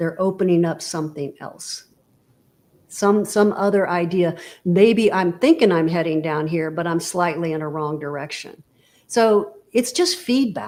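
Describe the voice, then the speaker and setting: An unremarkable speaking voice at a fairly slow pace with ordinary pitch variation. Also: woman, fairly low pitch for a woman. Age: 60s. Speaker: author and confidence speaker. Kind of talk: interview conversation on a livestream.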